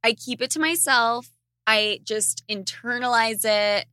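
Young woman podcast host, kinda high bright voice, slow drawl, swears a lot and laughs mid-sentence. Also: clear, resonant tone, no echo, studio quality. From Argentine family. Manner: blunt, crude, laughs often while talking. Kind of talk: casual podcast chat, reading listener questions.

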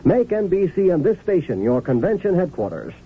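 A thin, tinny old radio recording carries an American male announcer. He is husky and fairly high, reading promotional copy with formal emphasis and very lively intonation. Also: fairly quick. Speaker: network announcer.

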